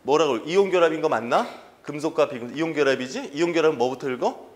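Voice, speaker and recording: A male chemistry instructor giving an exam-prep lecture, constantly throwing quick rhetorical questions at his students and answering them himself. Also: fairly high pitch, animated.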